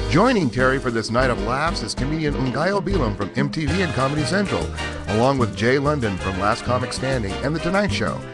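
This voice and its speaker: A man reading a scripted promotional radio ad as an announcer. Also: mid-range voice. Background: music.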